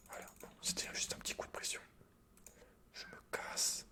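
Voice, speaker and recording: A man whispering casual, slangy, sweary ASMR commentary while he plays a video game, in a breathy unvoiced whisper. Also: normal speed, pushed and bright. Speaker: host of an ASMR gaming channel. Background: computer keyboard clicks and typing.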